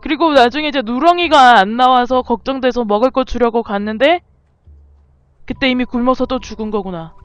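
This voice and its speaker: Soft background music plays under a woman's slightly high, clean voice as she gives casual let's-play commentary at a normal speed. There's no room sound, and she chats to the animals on screen while playing.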